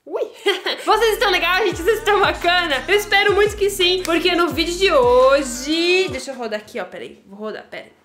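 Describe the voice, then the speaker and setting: Chatty high-pitched woman vlogger from Brazil, casual home chat. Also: lively intonation, brisk, few pauses, a bit bright, soft background music. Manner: chatty, keeps asking the viewers "right?". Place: home in Italy, indoors.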